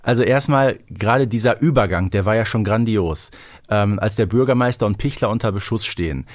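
A man's voice: fairly low pitch, brisk. A man hosting a podcast, discussing things with a fan's enthusiasm in an effusive, emphatic way. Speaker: podcast host.

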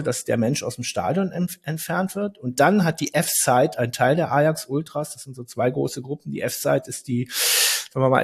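Gravelly-voiced man explaining football. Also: mid-range voice. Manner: explanatory, frequent hesitations and self-corrections. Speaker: podcast guest, football expert. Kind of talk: conversational expert analysis.

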